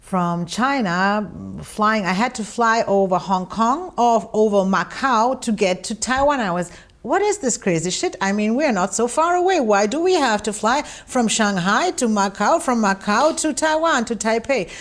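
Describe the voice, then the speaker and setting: A woman's voice: a little high, animated, moderate pace. Woman asking frank questions. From Germany. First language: German. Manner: inquisitive, frank, emphatic. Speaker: interviewer. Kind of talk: interview conversation.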